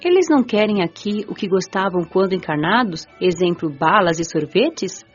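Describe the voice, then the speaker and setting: An actress playing a gentle, curious young woman spirit who narrates her afterlife in a measured, earnest radio drama style. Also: lowish voice, animated, slightly rough. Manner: measured, earnest, careful storytelling. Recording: muffled audio with music underneath.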